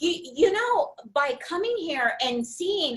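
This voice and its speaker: A woman speaks loud at a fairly slow pace. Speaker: network marketing team leader. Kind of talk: motivational speech on a corporate call. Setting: corporate office.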